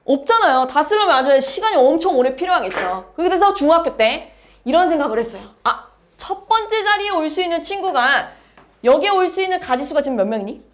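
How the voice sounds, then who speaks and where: A woman's voice: high voice, animated, fairly quick. A woman math teacher lecturing a class, explaining step by step and asking her students questions.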